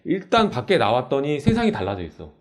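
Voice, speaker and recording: Animated male talk-show host. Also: medium pitch, quick pace. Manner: animated, explains figures step by step. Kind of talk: casual talk-show explanation.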